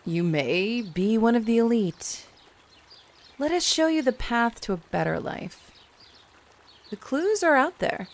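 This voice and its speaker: An actress playing a haughty, menacing envoy of an elite enclave, deliberate and mock-polite, in a radio drama broadcast. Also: female voice, a little high, lively intonation. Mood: coolly inviting.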